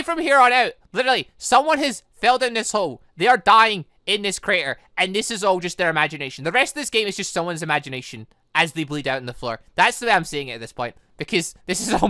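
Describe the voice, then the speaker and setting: An animated host commentates a visual novel playthrough in a bright, forceful voice. The pitch swings widely through exclamations and rambling asides, and the sound is dry. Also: clean tone, no room sound. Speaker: gaming channel host. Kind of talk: playthrough commentary mixed with reading game dialogue aloud.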